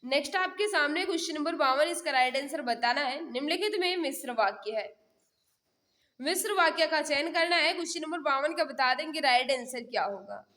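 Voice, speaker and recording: High-pitched woman teaching a live quiz class. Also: expressive, brisk, pushed and bright, roomy sound. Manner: instructional, repeats questions and answers, prompting listeners. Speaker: exam prep teacher hosting a live class. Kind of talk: live quiz lesson, reading questions and answers aloud.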